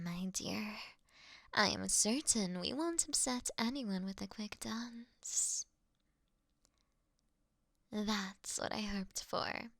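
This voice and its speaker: A woman acts out an age-old, aristocratic vampire mistress in an intimate audio drama. She speaks slowly and softly, in a breathy near-whisper edged with vocal fry. Her diction is elegant and formal, charming and teasing with a gently commanding temper. The sound is dry and close. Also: medium pitch, no echo, full character voice.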